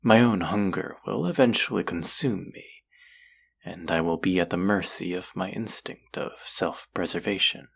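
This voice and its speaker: In a scripted roleplay audio drama addressed to the listener, a man voices a courtly, possessive male demon who hungers for hearts, using a full character voice. His voice is low, husky and gravelly with a slightly bright edge, and he sounds hungry and seductive. He speaks formally, slowly and deliberately, in a coaxing way.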